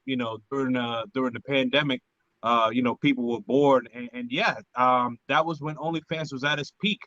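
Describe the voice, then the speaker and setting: Male podcast host, casual chat, bright forceful tone, halting delivery, dull dry lo-fi sound. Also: mid-range voice, no echo. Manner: halting, many fillers and restarts.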